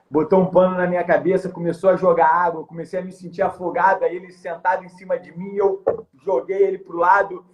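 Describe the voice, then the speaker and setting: High-pitched guy from rio telling a story on a podcast, does the voices. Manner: animated storyteller, acts out the voices and shouts in his story. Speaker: podcast guest, former elite police officer. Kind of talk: storytelling in a casual interview.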